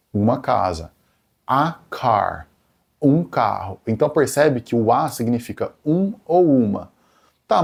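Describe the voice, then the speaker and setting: A Brazilian man teaches English grammar in a friendly lesson tone. His mid-pitched voice has a gravelly edge. He slows down to spell out each example sentence and keeps checking that the viewer is following. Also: a little mellow. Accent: Brazilian Portuguese. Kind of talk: grammar lesson explained in Portuguese.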